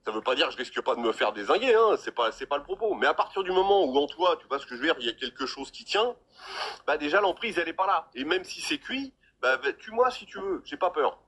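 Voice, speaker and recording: A man's voice: on the high side, big pitch swings, quick pace, fairly bright tone. Stammering man in his fifties. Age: 50s. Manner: rambling, stammers and repeats words. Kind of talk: casual talk on a live stream.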